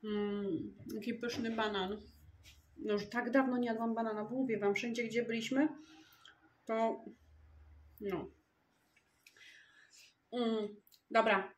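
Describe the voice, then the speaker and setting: High-voiced, unhurried woman chatting casually. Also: steady tone, a little hiss or hum. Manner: chatty, thinking aloud while unpacking groceries. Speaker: vlogger. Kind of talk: casual chat to viewers. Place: home kitchen.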